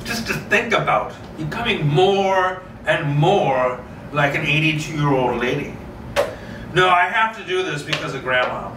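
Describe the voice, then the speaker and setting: A man's voice: a little high, expressive, measured pace. A man reading a screenplay aloud and chatting casually, often repeating himself in a rambling way. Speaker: solo script reader and host. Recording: roomy, distant mic, clearly noisy.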